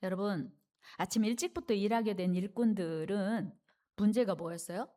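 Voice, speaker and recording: A woman's voice: medium pitch, moderate pace, dark tone. Woman pastor preaching, storytelling. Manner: storytelling, acting out the parable's voices and leading the congregation in reading. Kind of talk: sermon. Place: church sanctuary.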